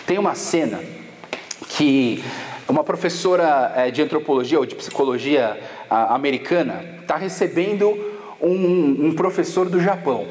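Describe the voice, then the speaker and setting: A man's voice: fairly high pitch, moderate pace, a little mellow. A male pastor with a Brazilian Portuguese accent, giving a casual, slangy sermon to young people at a camp and telling stories with acted quotes. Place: church camp hall. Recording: long hall reverb.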